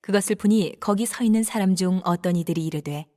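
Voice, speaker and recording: A woman narrating scripture from a script in a measured, formal manner. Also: lowish voice, warm tone. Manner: measured, formal read delivery.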